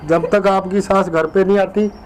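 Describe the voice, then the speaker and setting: A man's voice: sits high, steady tone, normal speed, lightly acted. A man playing a sick, tearful old father in a family skit, in a pleading way. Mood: stern. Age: older. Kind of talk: low-budget comedy skit acting.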